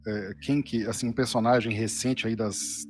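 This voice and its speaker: A man's voice: fairly low pitch, fairly even intonation, normal speed. A Brazilian man chatting casually as a panelist on a reaction show. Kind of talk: casual chat. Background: music.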